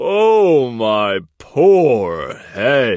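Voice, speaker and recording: A man puts on a character voice at a medium pitch. His pitch swings very widely. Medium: read story. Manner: gruff.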